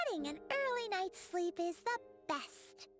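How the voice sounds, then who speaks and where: A woman's voice: very high voice, full character voice. A woman voicing a tiny, chatty, cheeky fairy companion in a video game, exclaiming and talking of herself in the third person. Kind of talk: video game character voice acting. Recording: light music behind the voice.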